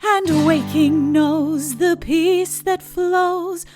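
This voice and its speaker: Female singer for an old-style ballad: very high voice, drawn-out phrasing, plucked guitar behind. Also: fairly even intonation. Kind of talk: slow sung ballad. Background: plucked guitar accompaniment.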